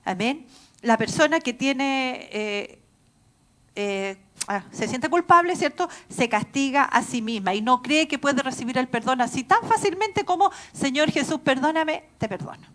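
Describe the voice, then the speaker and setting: High-voiced Chilean woman pastor preaching. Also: animated, a little slow, fairly bright tone. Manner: earnest storytelling, laughing at herself. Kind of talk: sermon. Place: church.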